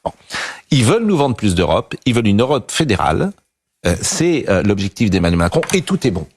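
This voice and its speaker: Un homme qui anime un débat télévisé, sur un ton appuyé et tranché, qui coupe la parole à ses invités. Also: male voice, fairly low pitch, sing-song, brisk, slight background noise. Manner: emphatic, opinionated, interrupts. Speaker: host. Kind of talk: TV debate hosting.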